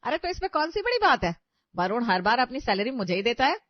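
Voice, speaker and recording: A woman's voice: fairly high pitch, sing-song, a little fast, dry recording. A woman voicing an aging, long-suffering mother-in-law in a cartoon story, who pleads and scolds in exasperation. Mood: scolding. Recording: dry, slightly dull audio.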